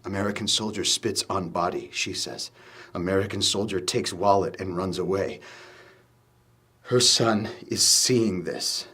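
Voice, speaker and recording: A somber letter writer. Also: male voice, sits low, a little slow, slightly rough, exaggerated voice. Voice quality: quiet, broken English, somber. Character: grieving Iraqi man writing a letter. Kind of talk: voice-over letter reading.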